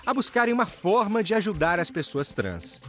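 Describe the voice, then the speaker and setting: A man's voice: high-pitched, wildly swooping pitch, moderate pace. A man reading a scripted documentary narration as a reporter. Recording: voice-over with clear music behind.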